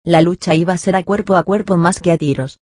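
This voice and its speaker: Steady male audiobook narrator. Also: high voice, no room sound, studio quality. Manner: steady, measured storytelling. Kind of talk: scripted literary narration.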